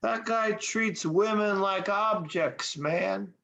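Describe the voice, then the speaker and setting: Woman playing a slow-talking aggrieved slacker dude. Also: mid-range voice, vocal fry, fairly bright tone. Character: laid-back, aggrieved, hazy male slacker. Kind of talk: virtual table read of a film script.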